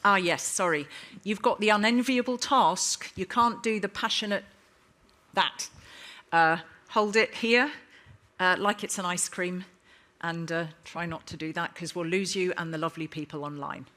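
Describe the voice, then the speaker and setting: A woman moderates a live panel in an informal style. Her voice is on the low side. She is chatty and emphatic, bantering as she steers speakers and audience. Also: normal speed, sharp tone.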